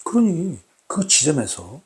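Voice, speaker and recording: A man hosting his own channel, talking to camera in a formal, deliberate way with many repeated rhetorical questions. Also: on the high side, very animated, darkish tone. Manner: repetitive, emphatic rhetorical questions. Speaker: channel host. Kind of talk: solo talk to camera.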